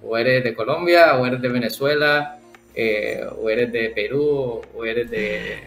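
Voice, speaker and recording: A man from the Canary Islands with a Canarian Spanish accent, a football agent answering interview questions in a thoughtful, halting way with many fillers. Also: mid-range voice, fairly bright tone. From Canary Islands, Spain. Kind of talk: interview guest, casual conversation. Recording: roomy echo with faint background music.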